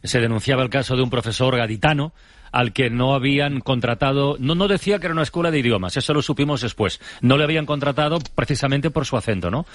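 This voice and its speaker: Fast-talking radio host, man. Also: medium pitch, no echo. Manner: quick, chatty, interjecting with laughs. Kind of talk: radio interview.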